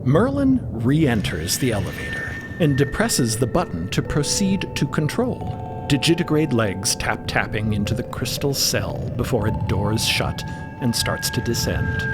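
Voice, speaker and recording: A man narrating scripted audio fiction in a dramatic storytelling style. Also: on the low side.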